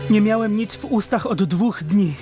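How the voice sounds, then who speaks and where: High-voiced reckless young man, acted by a man. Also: normal speed, over music, lightly acted. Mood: pleading. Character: reckless young man, broke, hungry and pleading. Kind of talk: animated Bible story dubbing.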